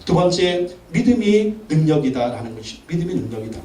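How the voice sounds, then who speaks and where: Male pastor, high voice, forceful preaching with repeated calls, echoey sanctuary picked up from a distance. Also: very animated, fairly quick. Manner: emphatic, commanding declarations; repeats phrases for emphasis. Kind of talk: Sunday sermon. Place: large church sanctuary.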